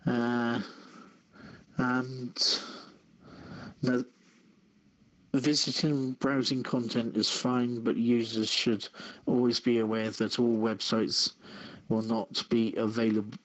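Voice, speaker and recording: A man hosting a live online radio show and reading out copy in a halting way, stumbling over his words. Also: mid-range voice, level tone, low-quality recording.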